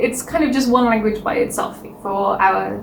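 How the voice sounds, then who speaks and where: A woman with a Welsh accent speaks at a fairly slow pace in a fairly high voice, with audible room echo and noticeable background noise. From Wales. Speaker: English teacher. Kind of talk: lecture. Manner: clear, paced for learners.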